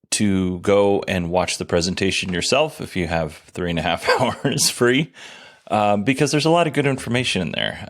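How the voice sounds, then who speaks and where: Deep-voiced self-deprecating podcast host man. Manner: self-deprecating, says he has a monotone voice. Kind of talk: casual solo podcast commentary.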